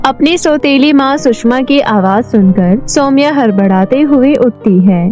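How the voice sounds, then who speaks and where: Female narrator for cartoon moral story, high pitch, soft music under. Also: unhurried. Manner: steady storytelling.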